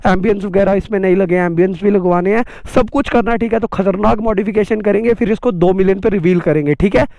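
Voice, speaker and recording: A young man vlogging casually to viewers, first from a car and then riding a motorbike through city traffic, talking excitedly over the wind. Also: high-pitched, quick pace, no room sound. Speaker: motovlogger. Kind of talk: casual vlog talk to viewers.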